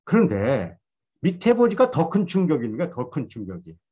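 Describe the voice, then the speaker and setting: A man's voice: on the high side, wildly swooping pitch, brisk, warm tone, breathy edge, muffled recording. A man giving a Bible lecture in a conversational, storytelling way, admitting his own past mistakes. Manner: conversational, self-deprecating storytelling.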